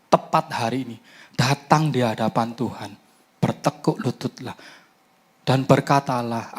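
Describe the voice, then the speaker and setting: Older East Javanese pastor, pleading then hushed. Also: male voice, medium pitch. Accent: Indonesian, East Javanese. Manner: swings between loud pleading and near whispers. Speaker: guest preacher. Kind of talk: emotional sermon with spoken prayer. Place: church hall.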